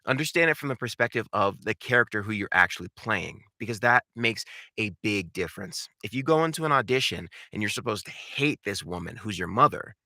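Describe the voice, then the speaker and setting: A man's voice: on the low side, animated, fairly quick, hardly any pauses, bright, forceful tone, no echo, studio quality. A man giving an instructional talk as a voice acting coach, direct and emphatic, repeating phrases to drive points home. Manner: emphatic, acts out short example lines.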